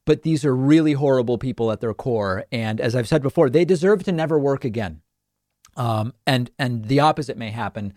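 A man from the northern United States hosting a political talk show, giving brisk, emphatic and sarcastic commentary into a studio microphone. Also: medium pitch, animated, a little mellow, no echo.

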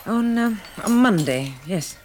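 A woman's voice: mid-range voice, lively intonation, unhurried, faint music behind, lightly acted. An actress playing a shaken, polite, well-bred young woman with an English accent in a 1960s radio drama, speaking hesitantly. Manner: hesitant, breathless restarts, polite. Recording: old radio recording, faint noise.

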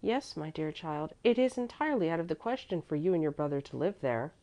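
A kind, wise motherly lady from an old storybook, voiced by a woman reader, gentle yet firm. She speaks calmly and reassuringly, in a slightly low voice. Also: brisk. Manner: tender, calm, reassuring.

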